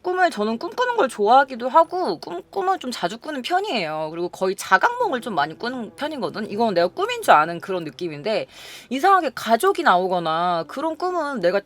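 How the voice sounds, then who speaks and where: A young woman casually telling viewers about her dreams in a chatty, lively way. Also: fairly high pitch, fairly quick, hardly any pauses. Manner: chatty, lively, acts out quoted lines.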